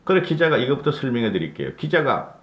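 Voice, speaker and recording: A man from North Gyeongsang, South Korea, gives blunt political commentary, and his pitch swings widely as he talks. He keeps asking his listeners to agree with him. His voice rings around an echoey room. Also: sing-song, quick pace. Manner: blunt, opinionated, asks for agreement with rhetorical tags. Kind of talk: casual political commentary monologue.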